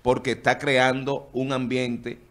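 A middle-aged man speaking into a desk microphone in a television studio, arguing political points on a panel. His voice is at an everyday pitch and he presses his case firmly. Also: flat delivery, slow, fairly bright tone. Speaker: political panelist, council candidate. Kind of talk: heated political debate.

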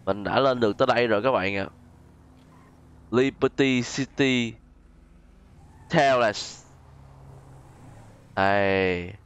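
A male gaming host with a southern Vietnamese accent and a smooth, medium-pitched voice. He chats casually to his viewers as he plays, with frequent exclamations. The recording sounds a little dull and muffled. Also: takes it slowly, pauses often. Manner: chatty, exclamatory, addresses viewers often. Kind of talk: casual gameplay commentary with role-play.

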